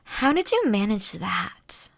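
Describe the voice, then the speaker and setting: A woman playing a caring, affectionate boss in an intimate audio roleplay, coaxing and gently teasing, at times dropping to a near-whisper. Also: medium pitch, very animated, slow pace, gravelly, no echo, clean studio sound, full character voice. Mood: warm, teasing. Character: caring, doting older female boss courting her sweet employee.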